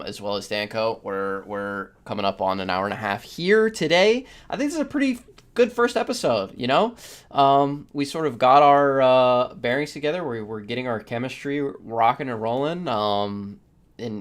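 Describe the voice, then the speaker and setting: A man hosting a casual podcast, speaking in a halting, stop-start way. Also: mid-range voice. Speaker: podcast host.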